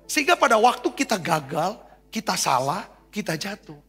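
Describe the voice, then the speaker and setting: A man's voice: high-pitched, big pitch swings, moderate pace, fairly bright tone, breathy edge, long reverb tail, soft background music. A male pastor preaching a sermon in a conversational, exhorting way, often calling for an amen and asking rhetorical questions. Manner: exhorting, repeatedly asks for amens.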